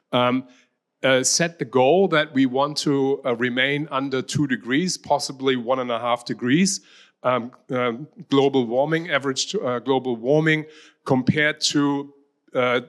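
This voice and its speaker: A middle-aged man from Germany gives a slide talk in a German-accented voice of ordinary pitch. He speaks with a hesitant, halting flow, often pausing on "um" and restarting his phrases. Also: a bit bright. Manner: hesitant, many ums and restarts. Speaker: university researcher.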